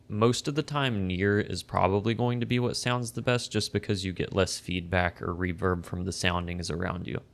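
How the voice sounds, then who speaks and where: A man casually reviewing gear from his home desk, talking in a relaxed, conversational, self-deprecating way into a close desk microphone. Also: deep voice, gravelly. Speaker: tech reviewer. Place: home desk in a corner facing two walls. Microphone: close condenser desk mic.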